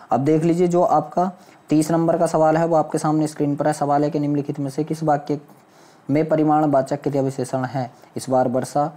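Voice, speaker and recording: Mellow-voiced man teaching. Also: a little high. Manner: didactic, asks and answers own questions. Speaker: exam coaching teacher. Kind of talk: explanatory test-prep lesson, question by question. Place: voice-over on a screen recording.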